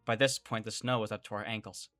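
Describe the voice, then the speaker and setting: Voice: medium pitch, steady tone, fast, a bit bright, faint music behind, close to an everyday voice. A performer playing an anxious, wry young survivor woman, narrating and speaking in a first-person audio drama. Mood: tense, wry.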